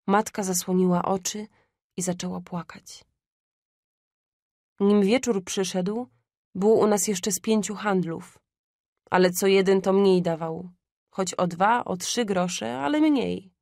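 A woman narrating an audiobook of a classic story in a measured, expressive way. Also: medium pitch, no echo, studio quality.

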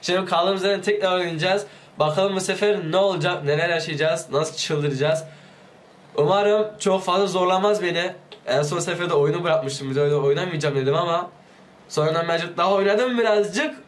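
A man giving let's play commentary, excitable, pleading with and yelling at his game character while sick, his voice liable to give out. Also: high-pitched, normal speed. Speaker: gaming YouTuber.

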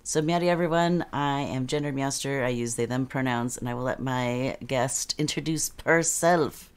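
A woman's voice: rumbling low, moderate pace. A woman hosting a video-call talk show, bubbly and chatty, laughing easily. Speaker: podcast host. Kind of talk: casual interview chat. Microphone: headset on video call.

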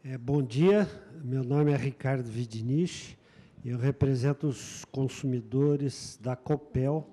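An older man on a handheld microphone in a large auditorium, making measured points as a consumer council representative at a public meeting. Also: medium pitch, warm tone, a little hiss or hum. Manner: deliberate, measured questioning. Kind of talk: formal public meeting remarks.

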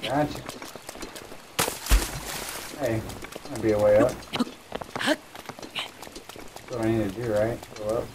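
A man's voice: fairly low pitch, slow pace, pauses often. A man giving casual let's-play commentary, rambling and muttering to himself as he plays. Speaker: gaming host. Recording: distant mic, clear background noise.

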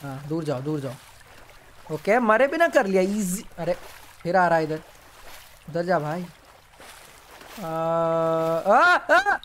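A man streaming a horror game live, yelping, pleading and hushing as a monster comes near. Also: a little high, expressive, slow, long pauses, a little hiss or hum. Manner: jumpy, yelps and pleads with the monster, then hushes to a whisper. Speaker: gaming streamer. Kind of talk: live gameplay commentary.

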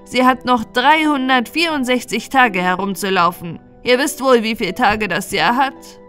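A woman voicing a talkative old bog witch in a fairy-tale audiobook, deliberate and foreboding. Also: a little high, animated, fairly bright tone. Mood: bossy. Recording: music bed under narration.

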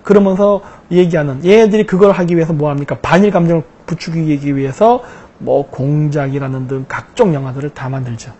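A man giving a lecture-style political commentary over slides, posing rhetorical questions and answering them himself with emphatic, drawn-out stresses. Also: fairly high pitch, mellow, husky, highs cut off.

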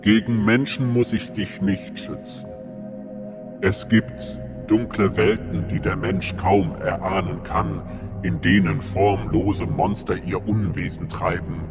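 A man voicing an ancient white-bearded male sage, speaking in solemn, measured, commanding tones. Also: sits low. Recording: music bed under the voice.

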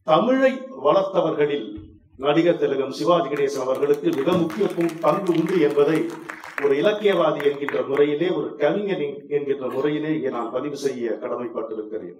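A man giving a formal, oratorical stage speech at an event, emphatic and swelling to loud passages. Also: fairly high pitch, slight background noise. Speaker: speaker at an inauguration event. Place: event hall. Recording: echoey hall, voice far from mic.

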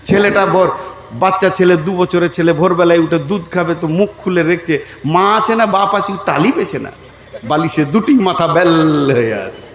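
A man's voice: high voice, moderate pace. A man from West Bengal preaching a dramatic sermon, acting out angry quotes and calling on the crowd to answer aloud. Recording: echoey hall with faint background noise.

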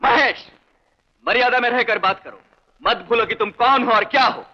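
A man's voice: very high-pitched, normal speed. An actor playing a stern, proud father in a 1960s Hindi film, speaking curtly and with command. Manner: curt, commanding. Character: stern proud widowed father, short-tempered. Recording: dull old film soundtrack.

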